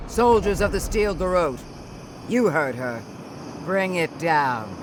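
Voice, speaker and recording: An actor playing a stern, zealous military commander in a video game, with a commanding, forceful delivery. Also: male voice, on the high side, very animated, slow pace, background noise. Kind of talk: video game character acting.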